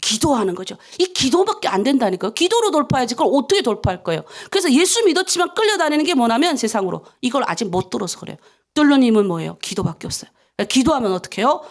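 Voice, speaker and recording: A woman pastor giving a dawn prayer sermon, moving between hushed asides and loud, fervent prayer. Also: high-pitched, rapid-fire. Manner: animated preaching, swings from hushed asides to shouted prayer.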